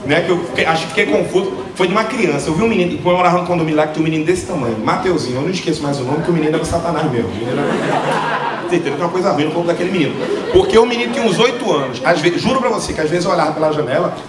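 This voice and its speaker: A man in his thirties with a Northeastern Brazilian accent doing an animated stand-up set into a handheld mic, acting out quoted voices. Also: a little high, rapid-fire, recorded from a distance, a loud crowd. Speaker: stand-up comedian. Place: theater stage before a live audience. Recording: roomy theater sound with loud laughter.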